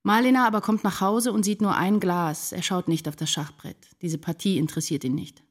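An actress playing a troubled, introspective woman writer in a literary radio drama monologue, brooding and deliberate. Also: fairly low pitch, steady tone, close to an everyday voice. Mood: brooding, reflective. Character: troubled, introspective woman writer narrating her inner life. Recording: music behind the voice.

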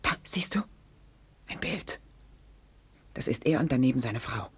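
A woman acting a suspicious, scheming French madame, desperate for her husband, in a German radio play, with a husky, breathy voice. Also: very deep voice, animated, measured pace, heavily acted. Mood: suspicious, secretive.

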